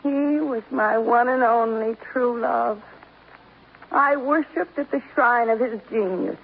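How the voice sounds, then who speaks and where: A lovesick showgirl, slow and gravelly, from tinny vintage radio. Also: fairly high pitch, a little hiss or hum. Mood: swooning. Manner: theatrical, swooning, lovesick. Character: melodramatic showgirl in a hospital bed, young woman. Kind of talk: 1950s radio drama acting. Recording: tinny old radio broadcast.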